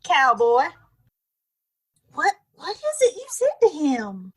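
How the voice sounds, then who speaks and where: A woman's voice: sits high, wildly swooping pitch, slow pace, heavy background noise, heavily acted. A woman playing a coy, brassy saloon woman in a western audio play. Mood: coy, teasing.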